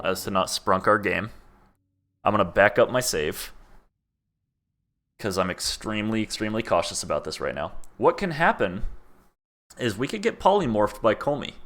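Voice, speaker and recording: A young man streaming a video game, chatting casually in a flat, laid-back monotone. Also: lowish voice, moderate pace, pauses often. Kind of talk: casual gameplay commentary.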